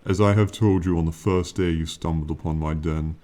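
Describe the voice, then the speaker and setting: The ancient dragon of this fantasy ASMR roleplay is voiced by a man in a natural, very deep and dark register, his intonation fairly even. The mood is lofty and calm, and the phrasing stays slow, formal and archaic, proud and condescending while still fond of the mortal companion.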